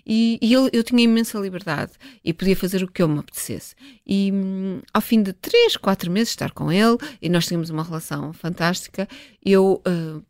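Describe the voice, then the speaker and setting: Middle-aged woman, scientist guest, lively anecdotal storyteller, dry close sound. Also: medium pitch, fairly quick, no echo. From northern Portugal. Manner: lively, chatty, with frequent restarts and laughs. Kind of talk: relaxed storytelling in a radio interview.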